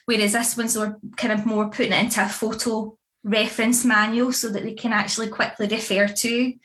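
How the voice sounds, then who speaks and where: A woman's voice: on the high side, level tone, brisk, a bit bright. A woman chatting casually in an interview, with many fillers and frequent laughs. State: pregnant. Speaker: dog grooming academy founder and author.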